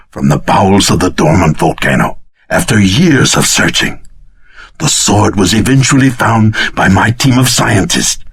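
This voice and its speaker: Very husky, solemn old nobleman. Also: sits low, fairly bright tone, full character voice. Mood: earnest, ominous. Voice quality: husky, breathy, raspy. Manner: formal, courteous, deliberate, dramatic. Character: frail elderly Japanese nobleman, earnest, secretive, solemn storyteller. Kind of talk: video game voice acting, dramatic exposition.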